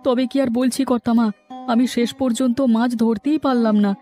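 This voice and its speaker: Earnest cartoon fisherman male actor, deferential village servant with a warm, mellow tone over music. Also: very high voice, level tone, normal speed. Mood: earnest, sorrowful. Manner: deferential, explanatory. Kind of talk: animated cartoon story acting. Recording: music bed under the voice.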